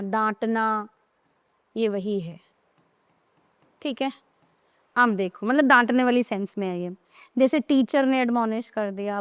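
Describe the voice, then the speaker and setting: A woman with a fairly high, smooth and clear voice teaches vocabulary. She explains each word patiently, keeps asking whether the class is following and reads her example sentences slowly. The sound is dry and close, with no room around it. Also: dry recording. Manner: explanatory, checks understanding often; slows down to read English example sentences. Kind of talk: online vocabulary lesson.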